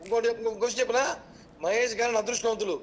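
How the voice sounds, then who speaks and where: Guy defending himself in a political debate, high voice, super fast, trips over restarts. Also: steady tone, lo-fi sound. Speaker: political party leader as debate guest.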